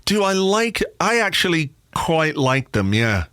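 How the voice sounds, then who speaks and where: A man hosting a football podcast with a cold that leaves him a bit croaky, chatting with a dry, sweary, self-mocking humour. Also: a little high, big pitch swings, measured pace, fairly bright tone, dry recording. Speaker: podcast host. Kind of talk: casual football podcast chat. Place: home office. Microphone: studio microphone.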